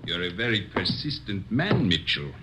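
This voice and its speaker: An actor playing a cunning, murderous tribal second-in-command in an old radio drama, speaking in formal, uncontracted phrases that can turn to desperate pleading. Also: male voice, deep voice, wildly swooping pitch, normal speed, noisy background. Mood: cold, menacing. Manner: menacing formal speech without contractions, stammers when frightened. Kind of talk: 1950s radio drama acting. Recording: old radio drama, hall reverb, music.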